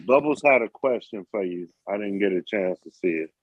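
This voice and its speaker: A man's voice: fairly low pitch, expressive, a little fast. A man from the United States talking in a blunt, drawling casual chat. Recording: dry, muffled lo-fi call audio.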